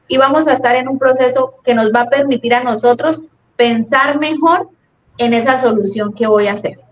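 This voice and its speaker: A woman's voice: a little high, slight background noise. A woman psychologist, patiently explaining parenting ideas in a live-stream talk and acting out little scenes. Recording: dull lo-fi stream audio.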